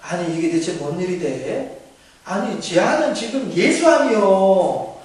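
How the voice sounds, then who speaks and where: A preacher putting on a middle-aged country villager, scoffing and gossipy, his rustic talk climbing higher as he mocks. It all echoes heavily around a large church, picked up from a distance. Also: lively intonation, a little slow. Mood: scoffing gossip. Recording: echoey church hall, mic far off.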